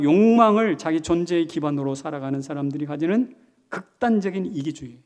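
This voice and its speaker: A man's voice: fairly high pitch, a little mellow. A man, a senior pastor, preaching a sermon emphatically and putting questions to the congregation. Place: church sanctuary.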